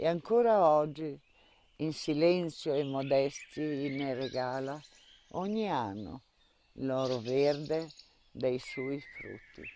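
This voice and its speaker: In an Istrian accent, the voice has a dark, mellow tone and lively intonation, moving at a very slow pace with long, frequent pauses and big swings in loudness. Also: woman, very deep, low pitch for a woman. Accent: Istrian Venetian dialect (Izola). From Izola, Slovenian coast (Istria). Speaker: poet. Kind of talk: poetry reading.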